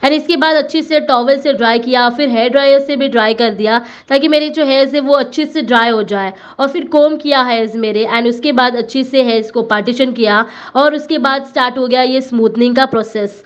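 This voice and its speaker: A woman's voice: high voice, a little fast, few pauses, highs cut off. An Indian woman vlogger narrating a scripted voice-over, switching between Hindi and English phrases. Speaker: vlogger reviewing a salon.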